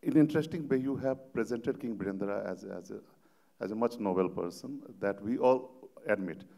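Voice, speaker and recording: A man interviewing an author on a festival stage, halting and repeating words as he asks long questions. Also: lowish voice, creaky, warm tone. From Madhes, Nepal. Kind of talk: literary panel interview.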